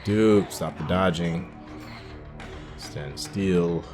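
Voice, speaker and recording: A man's voice: low voice, extremely slow, over music. A man hosting a gaming video, giving casual playthrough commentary in a musing, conversational way.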